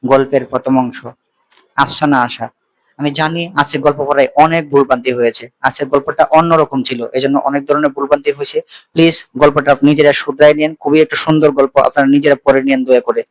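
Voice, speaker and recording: A man narrating a first-person story in a calm, plain reading voice, sometimes correcting himself. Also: medium pitch, brisk, no echo, low-quality recording. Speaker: story reader.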